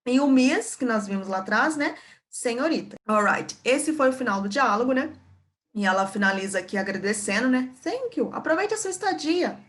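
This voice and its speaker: A woman's voice: a little high, moderate pace, fairly bright tone. A woman with a Brazilian Portuguese accent teaching an English lesson, patiently repeating words and checking in with her students.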